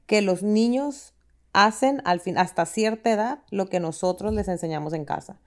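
A woman, co-hosting a casual chat and giving calm, earnest advice to parents. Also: mid-range voice, normal speed. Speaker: podcast co-host.

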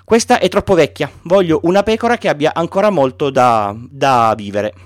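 Man playing a little boy prince, curious, insistent, lively upward voice, dry sound. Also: on the high side, normal speed, no room sound, natural voice. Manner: insistent, innocent questions.

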